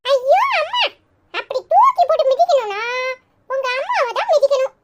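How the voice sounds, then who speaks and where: This woman plays a chatty, bossy cartoon boy, chirpy and cheeky, with a Tirunelveli Tamil accent. Her pitch is extremely high with big swings, her pace moderate, and the recording sounds muffled, with clear background noise.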